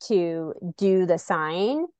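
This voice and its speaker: A woman guest talking casually and chattily, with frequent "like" and "you know". Her voice sits a little low, and the recording is dry and close. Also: expressive, extremely slow, darkish tone, dry recording. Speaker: guest parent. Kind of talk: casual conversation.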